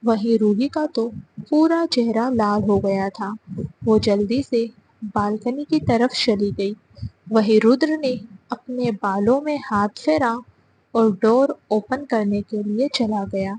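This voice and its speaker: A woman narrating a romance audio story in an even storytelling delivery. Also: on the high side, breathy edge, low-quality recording.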